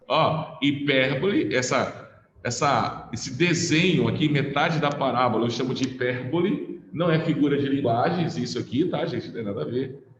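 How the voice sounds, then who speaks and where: A man's voice: medium pitch, normal speed, slight background noise. A Brazilian man teaching a physics class in a chatty, informal way, with slang and swearing. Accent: Brazilian Portuguese. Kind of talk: casual classroom lecture. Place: classroom, also streamed to students at home. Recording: echoey classroom with dull lo-fi sound.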